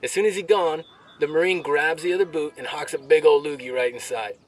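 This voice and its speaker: An actor playing a brash, crude army soldier telling jokes with swaggering military banter and drawn-out delivery. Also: male voice, a little high, distant mic, a little hiss or hum, close to an everyday voice. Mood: cocky, joking. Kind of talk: military banter, performed joke storytelling.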